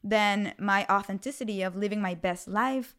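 A woman's voice: medium pitch, normal speed, fairly bright tone, smooth. A woman in her thirties, a podcast guest who speaks on fear, chatting in an interview and acting out her own past thoughts as she tells a story. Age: 30s. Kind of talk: casual interview conversation.

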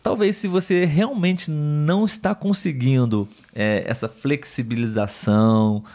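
A man with a Brazilian accent talking as the host of a language-learning live show, conversational and instructive, pausing to find words and often checking for agreement. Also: a little high, a little mellow. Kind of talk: conversational teaching, reading viewer comments.

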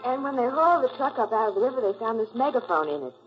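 A woman's voice: a little high, very animated, quick pace, loud music behind the voice. A woman playing a pert, capable detective's secretary in a 1940s radio drama, efficient and teasing. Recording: muffled, noisy old 1940s radio recording.

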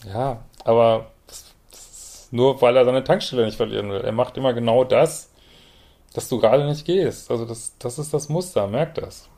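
A man's voice: mid-range voice, normal speed, dark tone. A man hosting a podcast as a couples therapist, commenting bluntly and directly on a listener's letter and often ending with a questioning "ne?".

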